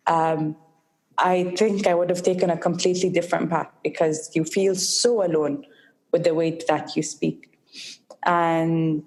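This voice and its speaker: A young woman from the United Arab Emirates answers interview questions in a slightly low voice. She speaks slowly and carefully, with a mild stutter and small pauses as she works through her words. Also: a little mellow. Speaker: guest, social entrepreneur. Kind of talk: interview conversation.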